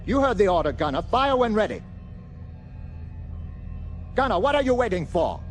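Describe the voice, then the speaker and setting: A man's voice: high voice, big pitch swings, normal speed, music in the background. A man playing an irate, bullying imperial patrol commander in a space audio drama, barking and exasperated. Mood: commanding.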